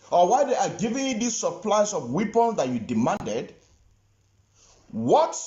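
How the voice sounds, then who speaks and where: A man's voice: high-pitched, darkish tone, echoey room, muffled recording. A man speaking on a livestream, insistent and repeating his questions to viewers. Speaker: activist livestreamer. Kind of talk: livestream commentary.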